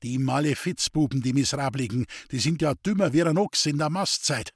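A man's voice: lowish voice, animated, racing, slightly rough, dry recording, clean studio sound. A man voicing an angry old farmer who talks in Bavarian dialect and curses. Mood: furious. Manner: blustering, cursing.

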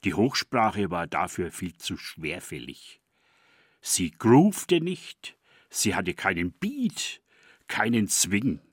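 Older man in his 70s, dialect poet, reads a scripted essay in a low voice with a dry, close sound. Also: sing-song, slightly rough, dry recording. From Franconia, Germany. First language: East Franconian dialect. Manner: measured, deliberate reading. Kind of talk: scripted personal radio essay.

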